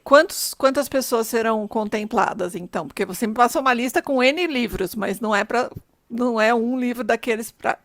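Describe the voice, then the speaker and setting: A woman moderating an online event, sorting out details in a brisk, practical way over a video call. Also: on the high side, dry recording, studio quality. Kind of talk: organizing chat on a webinar.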